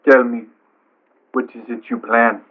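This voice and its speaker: A man voicing a solemn, caring tree man of the swamp, with formal, deliberate phrasing through a phone-like filter. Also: medium pitch, flat delivery, a little hiss or hum. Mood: concerned, formal. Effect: phone or radio filter. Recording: tinny narrow phone-like filter.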